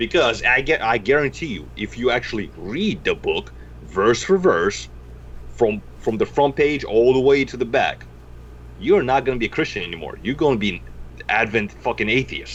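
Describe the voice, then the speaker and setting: A man speaks at a moderate pace with a slight Russian accent. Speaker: guest. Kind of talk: casual chat.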